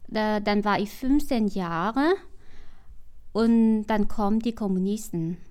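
Slow Vietnamese-accented woman recalling her past. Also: medium pitch, darkish tone, clean tone. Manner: slow, halting, non-native German with many restarts. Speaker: interviewee. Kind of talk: recounting her life story.

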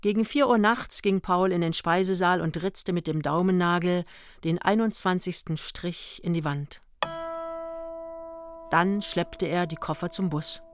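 A woman with a fairly low voice narrates a scripted radio play. She tells the story in a measured, matter-of-fact way, with music clearly playing behind her. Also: no echo, studio quality.

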